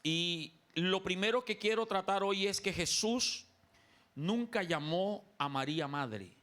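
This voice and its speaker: Hombre, pastor, predicación enfática, voz aguda, timbre brillante. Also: male voice, high-pitched, animated, slow, a bit bright. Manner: emphatic preaching, calls on the congregation to repeat. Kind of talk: sermon. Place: church sanctuary.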